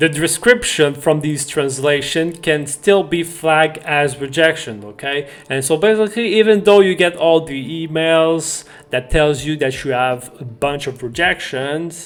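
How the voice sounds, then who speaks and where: A man with a French Canadian accent, fairly high in pitch, at a fairly slow pace with hardly any pauses, ordinary pitch variation, and noticeable background noise. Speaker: print-on-demand content creator. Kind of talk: tutorial. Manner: casual, with frequent fillers and self-corrections.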